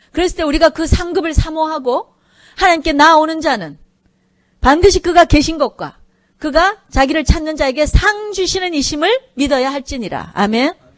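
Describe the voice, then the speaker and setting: A woman talks in an animated tone at an extremely high pitch. Her pitch varies in an ordinary way. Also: moderate pace. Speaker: pastor. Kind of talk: sermon. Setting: church.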